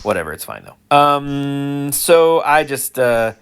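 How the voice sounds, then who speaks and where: A man's voice: medium pitch, big pitch swings, slow pace, fairly bright tone, smooth. A man in his forties talking casually to camera, rambling and self-deprecating, often restarting sentences and chuckling to himself. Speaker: school employee sharing personal views. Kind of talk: casual monologue.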